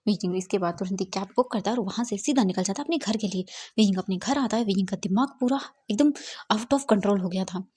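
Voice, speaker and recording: A woman's voice: mid-range voice, fast talker, darkish tone, husky. A woman narrating a fanfiction story dramatically, slipping English words into her narration.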